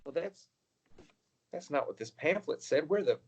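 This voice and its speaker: A man playing a clueless, easily thrilled tourist in an improv comedy scene, talking excitably and swinging between awe and letdown. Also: fairly high pitch, normal speed, slightly rough. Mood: puzzled.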